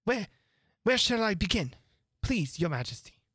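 A performer voicing a nervous, deferential White Rabbit court official in a storybook reading, fussy and hurried in manner. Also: mid-range voice, sing-song, a bit bright, breathy edge, no echo, clean studio sound, pitched above the performer's own voice, exaggerated voice. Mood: anxious, deferential.

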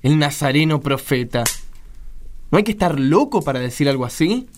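An actor playing a bitter, sarcastic poor young villager in a radio drama, with an Argentine accent. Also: male voice, fairly high pitch, animated, moderate pace, a little hiss or hum, close to an everyday voice. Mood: sarcastic, defiant. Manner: sarcastic, argumentative, exclamatory. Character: bitter poor young Galilean man, mocking, hard-drinking.

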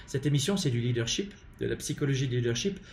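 A man from France with a French accent, hosting a live-streamed motivational talk on leadership from home, emphatic and animated with lots of hesitant fillers. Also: mid-range voice, quick pace, echoey room, a little hiss or hum. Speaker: leadership coach and live show host.

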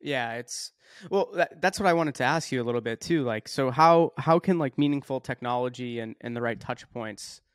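A man's voice: mid-range voice, normal speed, no echo, clean studio sound. A man hosting a podcast, asking questions in an upbeat way and often repeating words as he frames them. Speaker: podcast host. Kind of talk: conversational podcast interview.

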